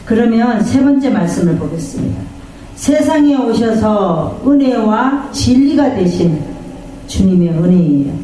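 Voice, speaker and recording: A woman's voice: mid-range voice, expressive, measured pace, dark tone, a little hiss or hum. A woman pastor preaching a sermon, drawing amens from the congregation and acting out the voices she quotes. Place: church sanctuary. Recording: echoey church hall from far off.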